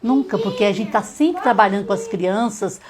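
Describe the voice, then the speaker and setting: A middle-aged woman teaches literacy on a live stream, walking through each step and frequently checking in with viewers while sounding out letters slowly. Her mid-range voice has lively intonation, and a crowd can be heard behind her.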